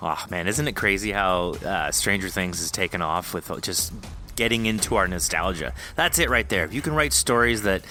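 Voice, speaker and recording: A man's voice: low-pitched, moderate pace, pushed and bright, slight background noise. A man hosting a casual interview, informal, enthusiastic and encouraging with his guest. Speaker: podcast host interviewing an author.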